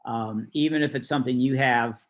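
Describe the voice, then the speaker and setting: A man's voice: mid-range voice, brisk. Man teaching an informal online class. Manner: conversational, explanatory. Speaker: class instructor. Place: online video call.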